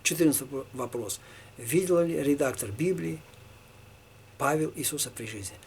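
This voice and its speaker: A man, a Tatar native speaker, answering religious questions one by one in a halting, informal way. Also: on the high side, slight background noise. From Tatarstan, Russia. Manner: halting, with many fillers and restarts.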